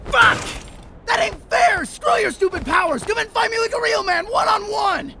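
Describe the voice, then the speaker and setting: A man's voice: very high voice, moderate pace, vocal fry, shouting, background noise. A man voicing a brash, hot-headed teenage boy in an anime fan dub, sarcastic and combative. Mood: angry, defiant.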